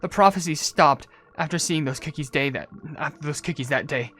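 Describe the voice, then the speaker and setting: A woman's voice: sits low, a little fast, a bit bright, slight background noise. A woman voicing a guilty, self-blaming young female oracle in a game cutscene, speaking in a subdued, earnest way. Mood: dejected. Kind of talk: video game cutscene voice acting.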